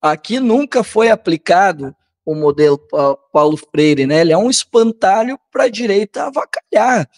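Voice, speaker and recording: A Brazilian man hosting political commentary, reading aloud and commenting in a halting, conversational way that often seeks the listener's agreement. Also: sits high, expressive. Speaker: host of a political commentary channel.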